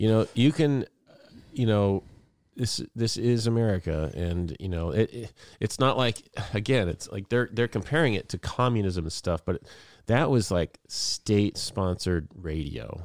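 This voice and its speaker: Lively intonation comes through at a fairly slow pace, with a dry, close sound and no echo. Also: man, fairly low pitch for a man. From Indiana. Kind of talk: casual chat.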